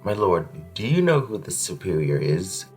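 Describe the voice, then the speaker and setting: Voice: sits low, big pitch swings, normal speed, a little mellow, faint music behind. An actor in an audio drama playing a loyal, stubborn royal subject with a firm, earnest delivery. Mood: indignant.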